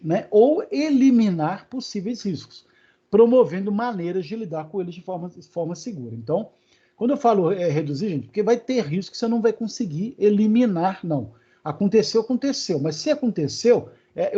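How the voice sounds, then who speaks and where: A man's voice: sits high, dark tone, breathy edge. Chatty Brazilian man lecturing online. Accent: Brazilian Portuguese. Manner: conversational, many fillers and check-ins with students. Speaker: university lecturer. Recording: dull, lo-fi online class audio.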